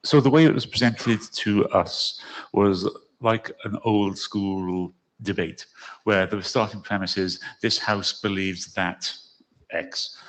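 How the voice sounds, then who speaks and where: A man's voice: on the low side, fairly even intonation, slow pace, fairly bright tone, poor audio. A man, a working group co-chair, explaining matter-of-factly how a debate was set up. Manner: plain, matter-of-fact explanation. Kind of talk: explaining from the microphone.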